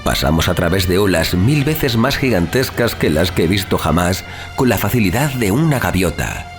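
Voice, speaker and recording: A man narrating a horror audiobook in a measured, solemn, theatrical manner, as a dramatic scripted reading. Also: low voice, lively intonation. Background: music.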